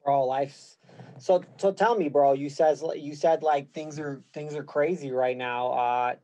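A man's voice: on the high side, steady tone, a little slow, warm tone, lo-fi sound. Blunt profane New man. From Brooklyn, New York. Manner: profane, blunt street talk. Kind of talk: casual podcast chat.

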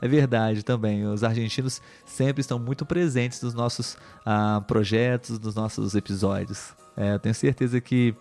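A man's voice: fairly low pitch, fairly even intonation, normal speed, few pauses, a little mellow. A man hosting a live stream for Portuguese learners, reading viewer comments in a patient, teacherly way with many filler tags. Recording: faint music in the background.

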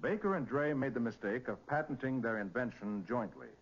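An actor with an American accent playing a confident master detective in 1940s radio drama, explaining things in an assured, crisp manner. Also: male voice, medium pitch, fairly quick, lightly acted. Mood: assured, explanatory. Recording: muffled vintage 1940s radio recording with music.

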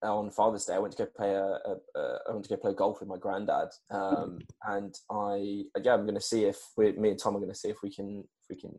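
Young male co-host, lowish voice, easygoing and halting, chatting over a video call. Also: level tone, mellow. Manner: easygoing, hesitant with fillers. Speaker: podcast co-host.

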